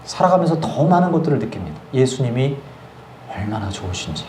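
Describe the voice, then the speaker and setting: A man preaching a sermon as pastor, telling a personal testimony in a lively storytelling way and acting out his own prayers. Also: medium pitch, fast, reverberant, background noise. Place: church service.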